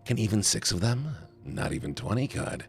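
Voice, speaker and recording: A man voicing a smooth, flirtatious and sinister self-styled king, with theatrical, velvety courtesy, for a visual novel. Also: on the low side, sing-song, moderate pace, darkish tone, soft background music, heavily acted. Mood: seductive. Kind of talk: visual novel voice acting on a stream.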